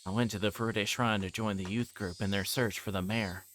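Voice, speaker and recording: A man's voice: fairly low pitch, steady tone, brisk, a bit bright, slight background noise. A man reading a visual novel aloud on a livestream, narrating in first person and occasionally stumbling over words. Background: game music.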